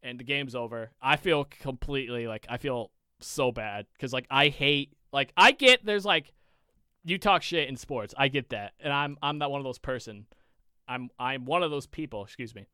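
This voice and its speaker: Bright, crisp young man telling a story. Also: medium pitch, moderate pace, no room sound, studio quality. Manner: animated, profane, rambling with restarts. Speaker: podcast co-host. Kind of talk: casual storytelling chat.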